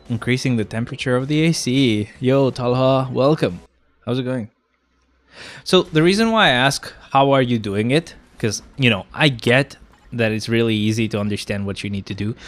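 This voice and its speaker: Young man, stuffy cold nose, casual streamer chat, exasperated, faint background music. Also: medium pitch. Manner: chatty, easily exasperated, talks to chat. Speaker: game streamer.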